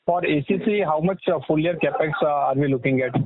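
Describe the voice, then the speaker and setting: A man asking questions as a financial analyst on an earnings call, polite and halting, often repeating words. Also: fairly high pitch, no room sound. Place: telephone conference call. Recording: dry, narrow phone line.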